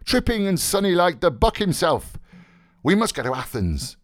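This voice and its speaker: A man's voice: on the high side, very animated, a little slow, dry recording, clean studio sound, voice pushed up. A man voicing an exuberant, mocking young joker who declaims with mock solemnity in a dramatised novel reading. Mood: gleeful.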